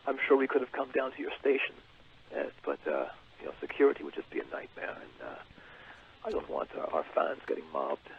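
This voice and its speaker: A man playing a boastful, self-important rock frontman who calls in, halting with fillers. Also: low voice, sing-song, vocal fry, heavily acted. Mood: pompous. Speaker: caller. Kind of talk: comedic call-in character. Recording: tinny phone line with hiss.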